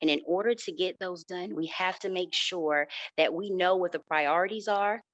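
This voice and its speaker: A woman answering candidate questions in a formal, measured way, repeating set phrases. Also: on the low side, no echo, dull audio. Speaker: board candidate.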